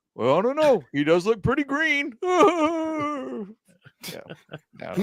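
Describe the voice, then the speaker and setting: High-pitched and fairly slow, the delivery comes in a put-on character voice. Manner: grumpy.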